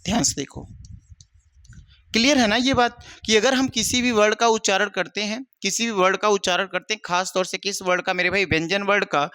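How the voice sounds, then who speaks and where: A man's voice: sits high, steady tone, brisk, pushed and bright, no room sound. A male teacher giving an exam-prep grammar lesson, asking the class questions and answering them himself, with a lot of repetition. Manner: repetitive, asks and answers his own questions, calls students brother.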